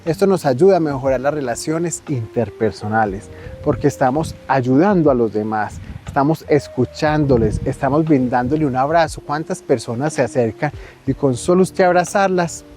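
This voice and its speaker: A man's voice: mid-range voice, moderate pace, darkish tone, soft background music. A man giving a conversational mental health talk, often acting out quoted voices. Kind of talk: casual advice talk on local TV.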